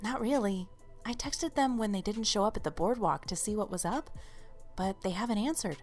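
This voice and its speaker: A woman playing an excitable, blunt young friend with an emphatic, casual way of talking in an audio drama. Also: mid-range voice, normal speed, faint music behind, lightly acted. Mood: worried.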